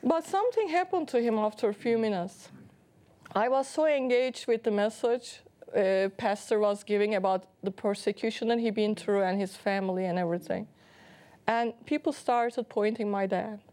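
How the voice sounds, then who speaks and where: A woman's voice: mid-range voice, moderate pace, mellow. A woman with a heavy Turkish accent, a guest on a Christian talk show telling her personal testimony in earnest, often laughing as she speaks.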